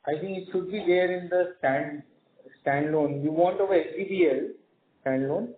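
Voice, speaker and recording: A man with an Indian accent answering questions as a company executive on a call, with a hesitant, halting delivery. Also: a little high. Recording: narrow muffled phone line.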